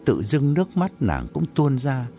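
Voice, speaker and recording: A man reads a story aloud, his pitch rising and falling very widely as he builds scenes. His delivery is expressive and unhurried. Soft music runs underneath. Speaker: narrator. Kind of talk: audiobook narration.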